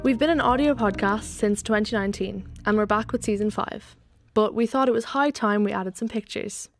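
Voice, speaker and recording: A woman's voice: medium pitch, moderate pace, faint music behind. A young woman hosting a panel podcast, introducing guests and putting questions to them. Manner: friendly, scripted-sounding introductions and easy questions to guests. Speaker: podcast host. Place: TV-style studio set, indoors. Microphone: large desk microphone, wearing headphones.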